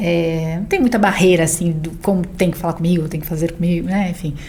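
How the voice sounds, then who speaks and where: Noticeable background noise sits behind a soft-spoken voice moving at a very fast pace. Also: woman. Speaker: HR executive. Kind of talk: podcast interview.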